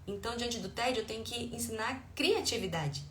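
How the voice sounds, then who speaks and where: A woman's voice: a little high, animated, brisk. A middle-aged woman with a Brazilian Portuguese accent talks parents through advice as a parenting educator. She explains patiently, at times acting out what she says to her children. The room is echoey with a faint hum of ambient noise behind her. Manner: warm explanatory tone, acts out dialogue with her children.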